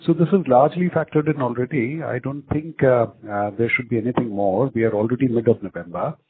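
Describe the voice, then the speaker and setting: A husky-voiced man speaks as a company executive on an earnings call, pausing often with fillers. His voice comes through a thin, phone-like conference line. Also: medium pitch, no echo. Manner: hesitant, many fillers.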